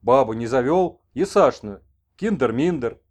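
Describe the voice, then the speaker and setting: A man's voice: medium pitch, expressive, a little slow, darkish tone. A man voicing a talkative old village grandfather with a folksy, colloquial manner.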